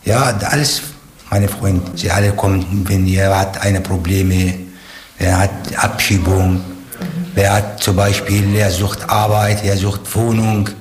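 A man from Syria speaking simple, halting German as a non-native speaker in an interview. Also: deep voice, little pitch movement. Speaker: community helper. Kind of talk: interview statement. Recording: echoey room.

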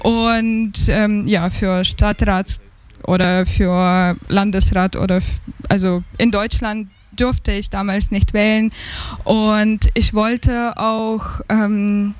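Slow, hesitant woman from Ukraine. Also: medium pitch, fairly even intonation, smooth. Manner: hesitant, many fillers and restarts. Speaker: interview guest, migrant council member. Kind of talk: casual interview answers.

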